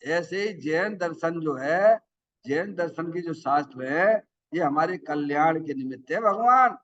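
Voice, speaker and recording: A man's voice: a little high, expressive, measured pace, fairly bright tone. A man giving a sermon in a folksy, chatty way, often asking the listeners whether they understood. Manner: folksy, asks the audience questions. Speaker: Jain preacher. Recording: dull sound from far off the mic.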